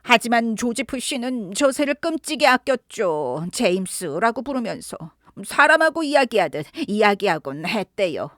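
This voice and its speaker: A woman's voice: on the high side, sing-song, normal speed, few pauses, a bit bright, no room sound, studio quality, voice pushed up. A woman putting on a grumbling old housekeeper. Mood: irritated. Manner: complaining, cursing.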